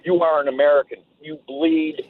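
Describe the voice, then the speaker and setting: A man's voice: on the high side, steady tone, normal speed. A man calling in to a radio show from Fort Worth, heated and insistent as he argues his point. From Fort Worth, Texas. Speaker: caller. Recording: phone line.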